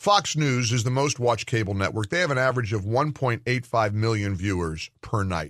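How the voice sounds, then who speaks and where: A man with an unremarkable speaking voice talks at a moderate pace and a medium pitch, using lively intonation. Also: hardly any pauses, very clean recording, silent background. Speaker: political commentator. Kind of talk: talk radio conversation.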